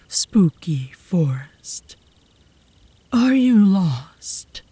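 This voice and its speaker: Breathy, slow-talking flirty werewolf woman, acted by a woman. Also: lowish voice, warm tone, no room sound, heavily acted. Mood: flirtatious. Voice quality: breathy, often dropping to a whisper. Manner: slow, teasing, seductive drawl. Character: flirtatious, obsessive werewolf woman, cocky rival. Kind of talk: ASMR roleplay, slow breathy teasing. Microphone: close ASMR microphone.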